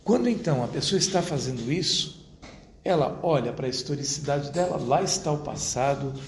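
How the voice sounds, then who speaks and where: A man giving an academic lecture to an audience at a university, speaking in a measured, rhetorical way and addressing his listeners directly. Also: a little high, animated, vocal fry. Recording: roomy echo, faint background noise.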